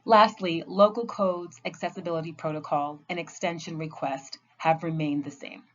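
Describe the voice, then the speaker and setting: Low-voiced woman narrating a compliance training. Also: fairly even intonation, normal speed, a bit bright. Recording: dull lo-fi audio.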